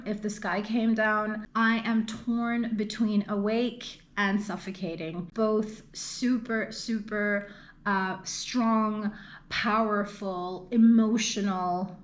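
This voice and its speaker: A woman's voice: mid-range voice, a bit bright. A woman who grew up in the United Arab Emirates, chatting earnestly in a casual question-and-answer vlog. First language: English. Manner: earnest and chatty, with fillers and repeated phrases. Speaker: content creator.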